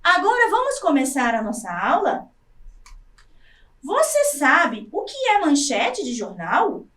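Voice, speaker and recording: High, lively woman teacher, slow and echoey. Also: distant mic. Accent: Brazilian Portuguese. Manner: slow, sounding out syllables one by one. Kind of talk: recorded classroom lesson for adult learners. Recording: echoey room, voice off-mic.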